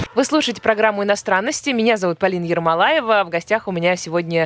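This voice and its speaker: The speaker uses ordinary pitch variation. It is a normal speaking voice. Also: woman. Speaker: podcast host. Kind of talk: casual interview. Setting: studio.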